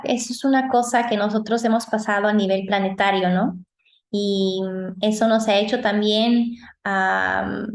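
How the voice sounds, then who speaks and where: A woman with a Peruvian accent interviewing a guest, speaking in a gentle, reflective way and searching for words. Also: medium pitch. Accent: Peruvian Spanish. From Peru. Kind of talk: conversational interview. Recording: roomy echoey sound.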